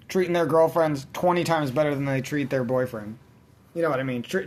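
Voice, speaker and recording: A man ranting in casual let's-play commentary, rambling and swearing constantly as he vents. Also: on the high side. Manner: rambling, profane, venting. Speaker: gaming channel host.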